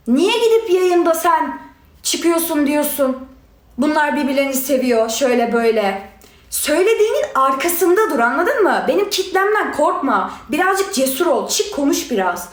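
Young woman, high-pitched, angry livestream rant, sarcastic and scolding, echoey room. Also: big pitch swings, moderate pace. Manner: heated, sarcastic, scolding, addresses viewers directly. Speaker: reality show contestant answering critics.

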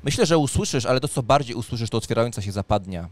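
A man's voice: mid-range voice, lively intonation, very fast, no room sound. A man in his thirties works as game master, narrating a role-playing session into a close microphone. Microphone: close studio microphone on a boom arm, headphones. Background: faint background music.

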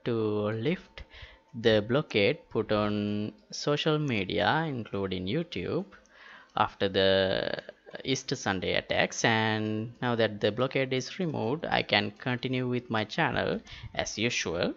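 A man narrating a step-by-step software tutorial in a halting, matter-of-fact manner. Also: fairly low pitch, vocal fry. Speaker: tutorial host. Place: indoors, screen-recording voice-over. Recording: dull lo-fi voice-over with clicks.

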